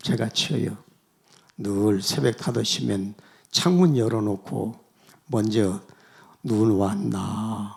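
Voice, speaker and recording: With long, frequent pauses, a man with a fairly low pitch talks at a very slow pace and ordinary pitch variation. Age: 80s+. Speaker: guest pastor. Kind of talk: sermon.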